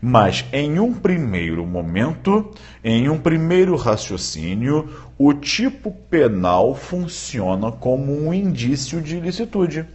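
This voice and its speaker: A man giving a live-streamed law lecture, often checking in with viewers and repeating key points slowly for emphasis. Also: on the high side, sing-song, a little mellow, dull audio. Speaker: law teacher.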